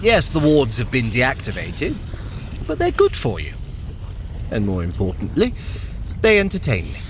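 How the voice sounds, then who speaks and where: An actor playing a sly, haughty trickster god of magic in an audio drama, teasing and theatrical. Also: male voice, medium pitch, huge pitch swings, normal speed, a little hiss or hum, low-quality recording. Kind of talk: audio drama fitness adventure acting.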